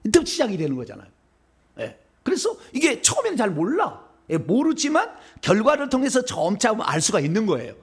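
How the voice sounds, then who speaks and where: A middle-aged man from Seoul preaches his sermon in a high, lively voice that swings widely in pitch. He keeps putting questions to the congregation and answering them himself, like a conversation from the pulpit. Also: brisk, breathy edge. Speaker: pastor.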